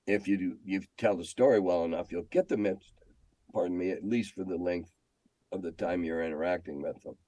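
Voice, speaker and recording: An older American man with a fairly low voice talks as an interview guest. He is opinionated and emphatic, repeating phrases for stress as he tells stories. The sound is dry, without room echo. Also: a little fast, dark tone. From United States. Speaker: interview guest, veteran game designer and editor. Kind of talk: conversational interview answers with storytelling.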